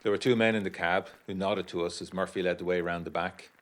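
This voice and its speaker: A man giving measured, brooding, literary first-person narration for a historical audio drama. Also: deep voice, steady tone.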